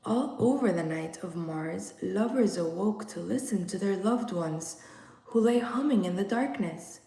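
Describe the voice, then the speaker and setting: A woman reading a literary story aloud in an expressive, measured way, with dramatic hushed touches. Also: mid-range voice, creaky. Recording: roomy, echoing room sound.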